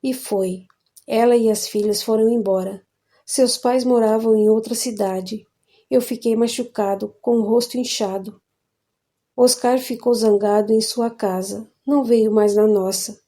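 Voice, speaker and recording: A woman narrating an audiobook in a calm, measured reading voice. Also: on the high side. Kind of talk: audiobook narration of a spiritist novel.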